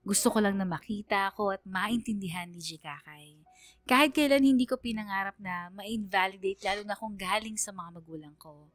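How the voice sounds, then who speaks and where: A woman's voice: medium pitch, moderate pace, no echo, close to an everyday voice. A woman playing a wounded young gay man who narrates his life story in a heartfelt, aggrieved way for a radio drama. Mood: reflective. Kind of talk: dramatized first-person radio letter narration.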